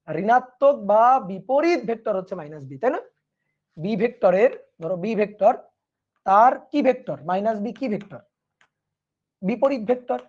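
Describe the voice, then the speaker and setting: A woman's voice: on the high side, muffled recording. A woman physics teacher, giving an online class lecture, repeating key phrases and checking understanding with questions.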